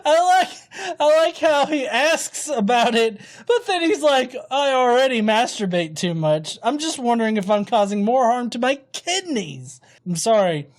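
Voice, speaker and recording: Profane sarcastic young man, lively delivery. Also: extremely high pitch, measured pace. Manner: profane, sarcastic, mocks commenters in silly voices. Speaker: YouTube host reading comments. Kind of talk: crude comedic commentary.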